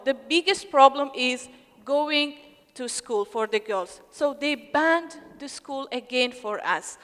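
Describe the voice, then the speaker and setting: A young woman from Afghanistan giving an earnest, emotional speech at a ceremony, often halting and restarting her words. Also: high voice, fairly bright tone. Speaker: scholarship recipient speaker. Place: hotel ballroom. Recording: long reverb of a large hall.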